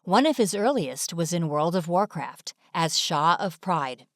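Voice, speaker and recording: Lively, polished female narrator. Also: lowish voice, measured pace, no echo, clean studio sound. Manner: polished, presentational. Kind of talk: scripted video essay narration.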